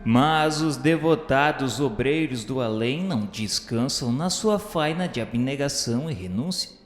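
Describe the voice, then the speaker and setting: A Brazilian man narrates a religious radio drama in a formal, solemn style. His mid-pitched voice sits in long, echoing reverb with music playing underneath. The delivery is grandiloquent and literary, clearly read from a script. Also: animated, unhurried.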